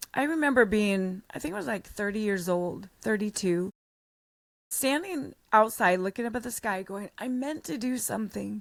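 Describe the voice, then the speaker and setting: On a very clean recording with a silent background, an unremarkable speaking voice with lively intonation talks at a moderate speed. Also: woman, fairly high pitch for a woman. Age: 60s. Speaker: leadership coach. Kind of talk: casual interview chat.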